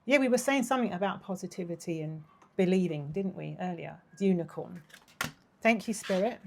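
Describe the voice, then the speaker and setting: A woman's voice: lowish voice, expressive, brisk, vocal fry, darkish tone, slight background noise. Woman losing her voice, doing a tarot reading. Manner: gushing, affectionate, with frequent laughs. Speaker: tarot reader. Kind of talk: casual tarot reading to camera.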